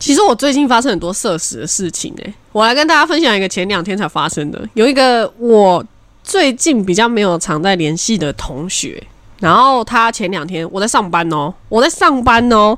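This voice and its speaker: A woman's fairly high voice at a moderate pace, full of very wide pitch swings. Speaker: podcast co-host. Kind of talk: casual chat.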